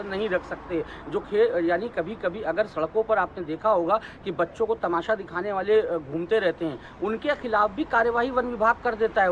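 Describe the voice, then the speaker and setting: A man from India reporting live for the news, explaining in a halting, repetitive way. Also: sits high, a bit bright, highs cut off. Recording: clear outdoor city traffic noise.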